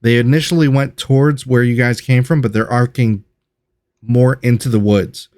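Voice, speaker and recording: A man's voice: mid-range voice, fairly even intonation, moderate pace, a little mellow, dry recording. Man running a tabletop game, dry close mic. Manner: rambling, self-correcting descriptions. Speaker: game master. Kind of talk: narrating a tabletop game session.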